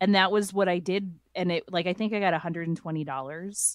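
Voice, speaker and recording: With an Upper Midwest accent, a woman with a fairly low pitch speaks at a fairly quick pace and fairly even intonation, sounding dry and close with no echo on a very clean recording with a silent background. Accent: Upper Midwest (Minnesota). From Minnesota, Twin Cities. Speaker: podcast guest, social media gardener. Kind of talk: casual chat.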